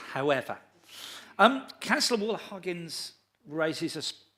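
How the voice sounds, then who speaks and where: The speaker has a Birmingham accent and a bright, sharp tone. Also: man. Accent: Brummie. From Birmingham, England. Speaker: councillor. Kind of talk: council meeting.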